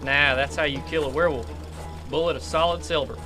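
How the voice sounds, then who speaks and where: A man's voice: fairly high pitch, fairly even intonation, fairly quick, over music, natural voice. A man acting an earnest, plain-spoken country monster hunter in an audio drama, with a Southern American accent. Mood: earnest, determined. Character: earnest rural monster hunter avenging his uncle.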